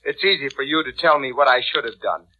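A man's voice: medium pitch, fairly quick, close to an everyday voice. A man playing a desperate, pleading condemned killer in 1940s radio drama style. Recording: dull vintage radio recording.

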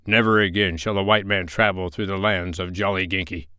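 A man's voice: deep voice, little pitch movement, a little fast, pushed and bright, clear, resonant tone, dry recording, clean studio sound. A man voicing an indignant, imperious king in a children's storybook, giving stern commands.

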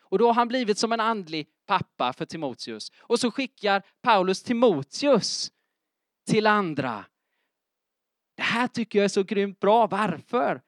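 A middle-aged man preaching a sermon in church, lively and emphatic, often asking his congregation if they are following. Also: high voice, dry recording, clean studio sound. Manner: keeps checking in with the congregation with questions. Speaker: pastor.

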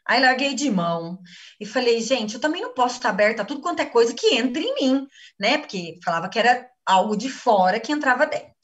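High-voiced Brazilian woman testifying. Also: expressive, fast, recorded from a distance. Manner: earnest, acts out her own quoted speech. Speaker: student giving a testimony. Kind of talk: emotional personal testimony in a live class.

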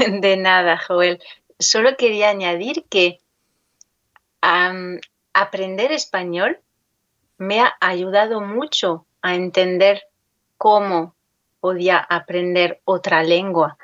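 Slow-spoken woman, Spanish speaker. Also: fairly low pitch, fairly bright tone, no room sound, lo-fi sound. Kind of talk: conversational interview about personal experience.

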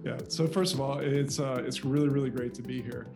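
A man's voice: mid-range voice, little pitch movement, brisk, gravelly, over music. A man in his forties with an American accent, telling his story as an interview guest and often repeating and restarting words. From United States. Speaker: guest, software founder.

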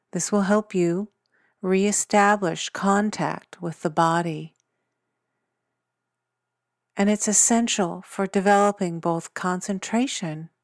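A woman leading a guided body scan meditation in a gentle, soothing manner. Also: on the low side, dry recording, clean studio sound.

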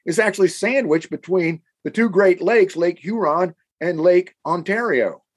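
A man's voice: high-pitched, measured pace, husky. Enthusiastic Midwestern man host. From American Midwest. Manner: enthusiastic, animated. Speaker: podcast co-host. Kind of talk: casual scripted chat.

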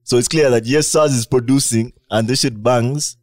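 A man's voice: mid-range voice, fairly even intonation, normal speed, a little mellow, no echo, clean studio sound. A man hosting a podcast, chatting casually and enthusiastically with slangy praise. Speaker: podcast host. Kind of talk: casual interview talk.

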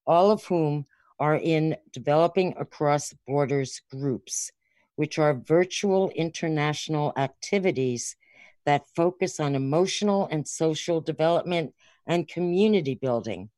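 A woman's voice: low voice, unhurried, warm tone, dry recording. A woman hosting a podcast, introducing guests with an enthusiastic, welcoming manner. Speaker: podcast host.

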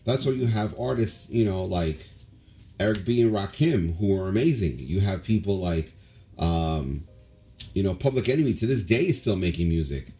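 Casting: lower-pitched male co-host, casual, rambling, opinionated. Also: lively intonation, normal speed, dark tone. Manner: rambling, opinionated, many fillers. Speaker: podcast co-host. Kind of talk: casual chat.

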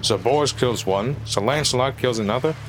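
A man's voice: mid-range voice, moderate pace, lightly acted, low-quality recording. An actor playing a shady older male adventurer in an audio drama, a wry, folksy storyteller who stumbles over his words. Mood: storytelling. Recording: loud music and boat engine behind.

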